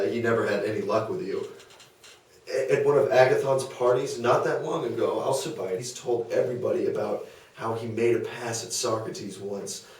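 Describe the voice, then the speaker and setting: A gossipy, rambling man of ancient Greece, read by a man at a table read, talks in a medium pitch. The comedy dialogue is picked up from far off in a very echoey room. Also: darkish tone, lightly acted. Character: chatty gossiping ancient Greek man, admirer of Socrates. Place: small meeting room around a table. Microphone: far camera or table recorder. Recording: very echoey meeting room, distant mic.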